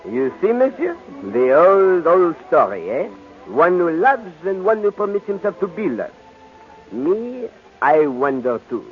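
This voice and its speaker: An actor playing a courtly, observant detective in an old radio drama, with a French accent and a theatrical, musing way of talking. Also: male voice, high-pitched, big pitch swings, measured pace, over music. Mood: knowing, wistful. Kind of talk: 1940s American radio drama acting. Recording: tinny, narrow-band old radio recording.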